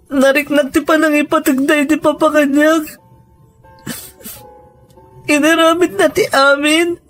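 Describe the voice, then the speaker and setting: An audio drama younger brother played by a man, full of guilt and sorrow. His voice sits very high and strained with tears as he pleads. Soft music plays behind him. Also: full character voice. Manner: tearful, pleading delivery. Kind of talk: emotional audio drama acting. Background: background music.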